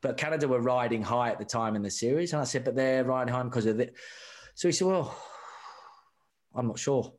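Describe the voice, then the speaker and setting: A man's voice: medium pitch, a little fast. A middle-aged man, a rugby coach, telling stories candidly and animatedly, often repeating words and saying "mate". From England. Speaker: rugby sevens coach, guest. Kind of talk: candid conversational storytelling.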